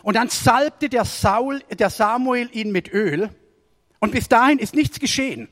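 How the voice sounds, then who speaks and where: High-voiced male preacher, storytelling sermon style, reverberant hall sound. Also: lively intonation, a little slow. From Germany. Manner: storytelling sermon with swings between raised emphasis and quiet asides.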